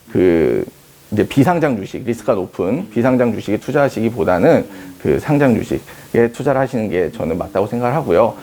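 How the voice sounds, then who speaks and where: A man in his thirties, a company head, answering interview questions in a measured, explaining way with frequent hesitation fillers. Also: medium pitch, dark tone. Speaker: company CEO interviewed on art investment.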